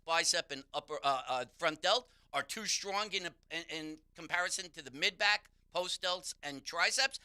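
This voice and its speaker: A man's voice: on the high side, sharp tone. A man, a pain therapist, explaining how the body works on a call-in radio show. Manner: explanatory, instructive. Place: radio studio.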